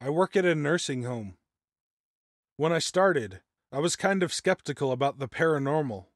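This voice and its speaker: A man's voice: a little high, expressive, normal speed, no room sound, clean studio sound. A man narrating a scripted first-person scary story as a guest narrator.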